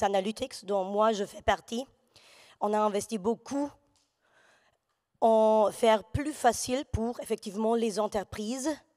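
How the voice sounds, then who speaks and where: At a very slow pace, a woman with a non-native accent speaks in a dark, mellow tone at a fairly high pitch. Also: dry, close sound with no echo, very clean recording, silent background. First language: not French (speaking French). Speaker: climate data executive. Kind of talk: panel discussion. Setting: stage with audience.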